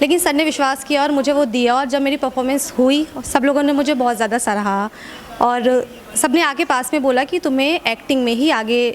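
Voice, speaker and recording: Noticeable background noise sits behind a woman with a high pitch. Her loudness is very even and her pitch variation ordinary. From Uttar Pradesh, India (Moradabad). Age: 20s. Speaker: actress. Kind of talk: interview.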